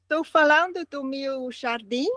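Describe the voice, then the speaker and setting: A woman from Flanders speaking Portuguese as a learner with a Dutch accent, halting and searching for words, calling in from her garden. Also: sits high, sharp tone, dry recording, clean studio sound. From Flanders, Belgium. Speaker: student and guest caller.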